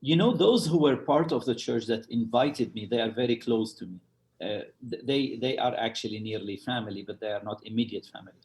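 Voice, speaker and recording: A man from Lebanon, a church leader, telling his story as an interview guest, halting with many fillers and restarts. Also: mid-range voice, a little mellow. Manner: halting, full of fillers and restarts, chuckles while telling stories.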